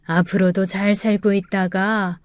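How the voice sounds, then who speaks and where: A woman voicing a gentle, frail old grandmother on her deathbed, speaking slowly and weakly in halting phrases. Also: mid-range voice, level tone, clear, resonant tone, dry recording, clean studio sound, lightly acted. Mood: tender. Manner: slow, weak, halting speech.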